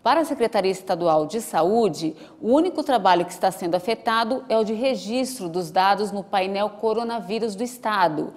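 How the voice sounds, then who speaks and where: A woman in her thirties presenting the news with a steady, formal delivery on a lapel mic. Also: medium pitch, fairly quick, hardly any pauses. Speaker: news anchor. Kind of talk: live newscast reading. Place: outdoor studio set with trees.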